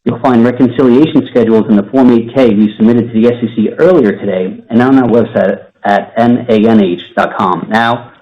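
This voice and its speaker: Man, investor relations host, mid pitch, formal scripted reading, muffled audio. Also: fairly even intonation, a little fast, hardly any pauses. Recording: muffled conference-call audio.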